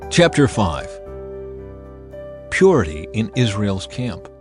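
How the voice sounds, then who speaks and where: A man narrating scripture as a dramatized audio Bible, solemn and measured, with deliberate phrasing. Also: lowish voice, sing-song. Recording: music bed under the voice. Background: background music.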